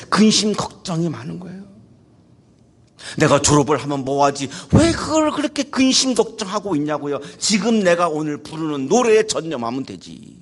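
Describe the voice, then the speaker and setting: A male pastor preaching a sermon at a university chapel, animated and playful, acting out quotes and calling on listeners. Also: sits high, slightly rough.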